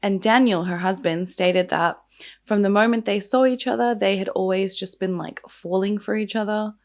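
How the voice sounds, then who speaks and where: A young woman chats casually to her viewers, dropping "like" into nearly every sentence. Her voice is croaky from the early hour and carries a steady gravelly fry, sitting at an ordinary middle pitch. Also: moderate pace. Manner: chatty, lots of "like" fillers. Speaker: true crime and makeup vlogger. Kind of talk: casual chatty vlog.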